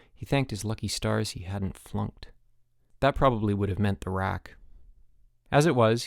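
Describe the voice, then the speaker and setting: A man's voice: fairly low pitch, vocal fry, dry recording, clean studio sound. A man narrating fiction as a scripted audiobook reading.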